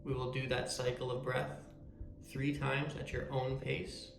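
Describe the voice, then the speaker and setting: A man guides a meditation with a soothing, measured delivery. His mid-pitched voice stays very even and carries a gravelly creak. There is a noticeable roomy echo around him as he speaks. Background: meditation music.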